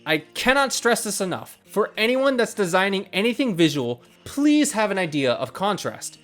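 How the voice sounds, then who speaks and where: Animated higher-voiced man reviewing over music. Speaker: video game reviewer. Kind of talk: scripted review narration. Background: ambient background game music.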